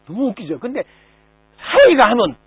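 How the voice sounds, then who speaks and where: A man's voice: very high voice, wildly swooping pitch, moderate pace, fairly bright tone, slightly rough, dry recording, low-quality recording. A man, a Buddhist monk, giving a dharma talk to lay listeners, telling stories with rhetorical questions and mimicking the people in them.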